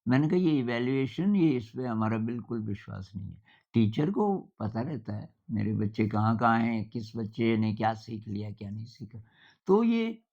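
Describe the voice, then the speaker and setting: An older man talks informally at a middle pitch, in a conversational, storytelling manner with thoughtful pauses. The recording sounds somewhat dull and lo-fi. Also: dark tone. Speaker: speaker giving a talk on simplicity. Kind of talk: informal spoken talk.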